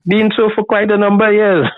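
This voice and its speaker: A man's voice: sits high, steady tone, moderate pace, crowd noise. A seventy-year-old man with a Trinidadian accent, talking in an easygoing, reflective, colloquial way as an interview guest over a call. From Trinidad and Tobago. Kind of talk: casual conversational interview. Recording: thin, phone-like call audio.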